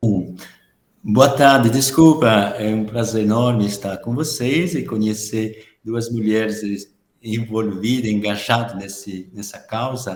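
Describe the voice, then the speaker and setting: A man with a non-native accent at medium pitch, speaking very slowly with ordinary pitch variation and big swings in loudness, amid audible room echo. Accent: noticeable foreign. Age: old. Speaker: land pastoral activist. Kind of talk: interview. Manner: hesitant.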